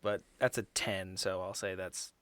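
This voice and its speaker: A man's voice: deep voice, little pitch movement, a little slow, fairly bright tone, dry recording. A man playing a tabletop game, chatting casually in a hesitant, rambling, joking manner.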